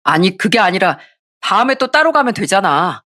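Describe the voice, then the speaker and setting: Woman doing meek husband voice, pleading, wobbly pitch. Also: big pitch swings, moderate pace, fairly bright tone.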